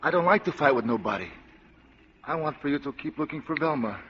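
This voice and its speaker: An actor playing a huge, slow-witted thug who talks rough and ungrammatical in a 1940s radio drama. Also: male voice, on the high side, animated, a bit bright, a little hiss or hum. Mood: plodding. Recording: dull old radio broadcast, off-mic echo.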